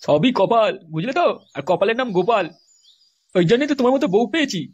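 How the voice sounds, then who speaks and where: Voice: medium pitch, big pitch swings, fast, darkish tone, slightly rough, highs cut off. A performer voicing a boastful, short-tempered poor husband in a comedy cartoon, foul-mouthed and insulting, with a West Bengal accent. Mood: boastful scolding. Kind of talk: amateur comedy cartoon dialogue.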